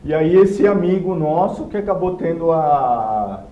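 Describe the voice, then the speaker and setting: A man telling a story in a lively, casual way and acting out the people in it. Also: a little high, measured pace. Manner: animated, acts out quoted voices. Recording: roomy, dull sound.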